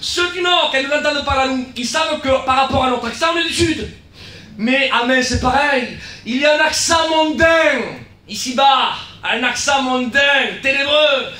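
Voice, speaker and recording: Fiery southern French preacher, high bright voice. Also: male voice, normal speed. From South of France. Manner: impassioned preaching, bursts of shouting between quieter asides, repeats words. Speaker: guest pastor. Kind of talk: sermon. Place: church hall. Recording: echoey church, from far off.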